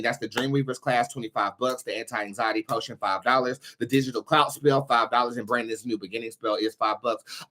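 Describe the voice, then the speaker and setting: An American man with a sassy, campy, slangy manner, hosting a livestream and chatting casually through announcements. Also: mid-range voice. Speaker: tarot reader hosting own show.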